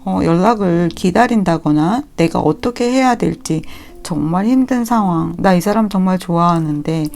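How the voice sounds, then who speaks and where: A woman with a slightly low voice reads tarot cards for her viewers. She speaks gently and reassuringly, and now and then acts out the lines the people in the cards might say. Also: normal speed, creaky, hardly any pauses. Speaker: tarot reader.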